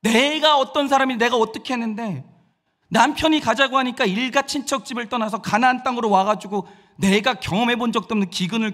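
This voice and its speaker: A man's voice: sits high, fairly bright tone, husky, heavily acted. A male pastor acting out a proud, self-pitying wife who complains indignantly during a sermon. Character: self-pitying proud wronged wife, middle-aged woman. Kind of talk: sermon with acted quotes.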